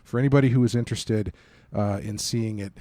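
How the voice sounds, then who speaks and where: A man's voice: lowish voice, steady tone, brisk, warm tone, no echo. Guy on a podcast just chatting, kinda wry rambly stories, dry close mic. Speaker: podcast host. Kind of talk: casual conversational chat.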